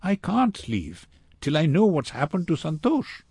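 A man's voice: a little high, wildly swooping pitch, a little slow, a little mellow, breathy edge, dry recording, voice pushed up, full character voice. A man voicing a concerned, stubborn woman in a storybook, speaking with earnest insistence. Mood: insistent, concerned. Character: concerned, stubborn, determined woman helping a child.

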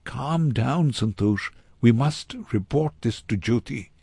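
A man's voice: mid-range voice, slow pace, gravelly, dark tone, husky, no room sound, voice pushed up, heavily acted. A man voicing a concerned, stubborn woman in a storybook, speaking with earnest insistence. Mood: urgent, soothing. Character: concerned, stubborn, determined woman helping a child.

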